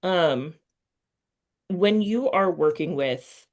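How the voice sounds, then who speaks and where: A woman with a lowish, animated voice speaks very slowly. A writing teacher and podcast interviewer, she hosts a casual literary interview, talking informally and thinking out loud while shaping her questions.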